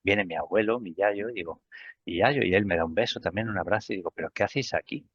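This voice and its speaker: A man's voice: low voice, quick pace, a bit bright, slightly rough, no room sound, dull audio. A middle-aged man with a Spain Spanish accent, retelling a personal experience as an interview guest and acting out the remembered dialogue.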